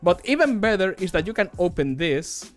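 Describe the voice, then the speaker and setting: A man's voice: high-pitched, big pitch swings, moderate pace, faint music behind. A man in his thirties chatting casually on a livestream in a rambling, self-deprecating way. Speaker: streamer and game modder. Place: small home room, indoors.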